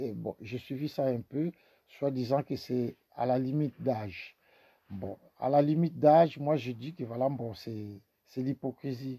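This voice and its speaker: A man's dark, mellow voice at a medium pitch and fairly slow pace, with ordinary pitch variation and long, frequent pauses, dry and close with no echo on a very clean recording with a silent background. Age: 60s. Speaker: shelter resident. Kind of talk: interview.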